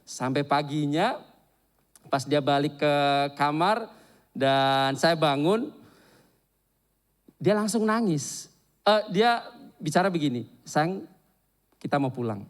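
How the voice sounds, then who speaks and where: A man preaching a sermon and telling a candid personal story in an animated, confessional way. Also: fairly high pitch, slow, pauses often.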